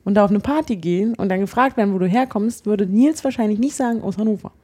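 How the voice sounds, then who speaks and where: A woman's voice: mid-range voice, fast, mellow, slightly rough. A woman from Berlin with a Berlin accent, chatting as a podcast co-host, rambling with many restarts and fillers. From Berlin, Germany. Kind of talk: casual chat.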